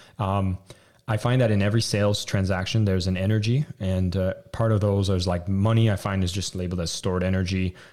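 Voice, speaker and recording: At a very fast pace, a man talks with fairly even intonation and a fairly low pitch. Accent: French Canadian. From Quebec, Canada. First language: French. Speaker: sales author and podcaster. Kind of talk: interview. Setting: video call.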